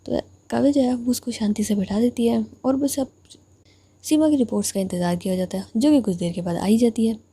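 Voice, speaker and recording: A woman's voice: fairly high pitch, a little fast, warm tone, husky. A woman narrating a romance story in a chatty, casual way.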